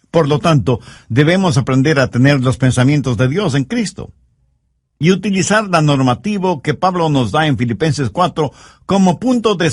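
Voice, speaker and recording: Man, sermon, earnest and pleading, animated pitch, drawn-out stressed words, dry close sound. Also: no echo. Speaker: preacher.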